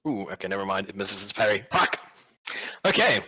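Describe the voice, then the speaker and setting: Bright-voiced man running a tabletop game. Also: fairly low pitch, big pitch swings, fairly quick, slight background noise. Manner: casual, sweary, slangy. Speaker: game master. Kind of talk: improvised tabletop game narration.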